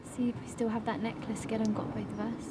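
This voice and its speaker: A young woman playing a supportive, gently cautious friend in a short fantasy film, earnest and reassuring. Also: fairly high pitch, little pitch movement, fast talker, heavy background noise, close to an everyday voice. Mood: concerned. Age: young adult.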